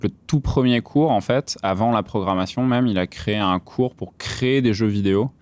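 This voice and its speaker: Very deep-voiced man, smooth. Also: normal speed, a little mellow, no echo. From southern France. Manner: hesitant, many fillers and restarts. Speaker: guest, company founder. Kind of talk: casual interview conversation.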